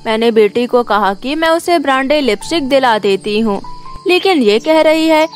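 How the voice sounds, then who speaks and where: A woman's voice: high voice, animated, moderate pace, soft background music. A woman voicing a brusque, bargaining mother out shopping in a cartoon moral story, talking curtly. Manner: curt, bargaining. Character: brusque, haggling mother out shopping with her daughter.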